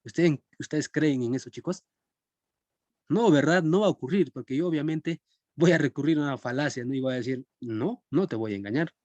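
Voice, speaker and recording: Young male teacher, chatty and conversational, warm mellow tone, dry close recording. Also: a little high, brisk, no echo. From Peru. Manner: conversational, checks in with students often. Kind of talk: live-streamed philosophy class.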